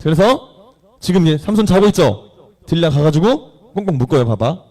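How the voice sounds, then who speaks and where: A man's voice: a little high, big pitch swings, normal speed, dark tone. A man preaching a sermon in church, retelling a story with playful questions to the congregation and acted-out voices. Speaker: pastor.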